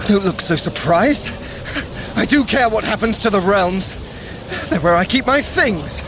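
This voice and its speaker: An actor playing a sly, sardonic trickster god with a dry, articulate way of speaking in an audio drama. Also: male voice, high-pitched, expressive, measured pace, background noise.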